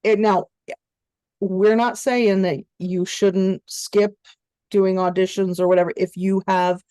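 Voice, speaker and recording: A woman coaching voice-over students in an online training session, explaining in a steady conversational way. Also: mid-range voice, slow pace, no echo.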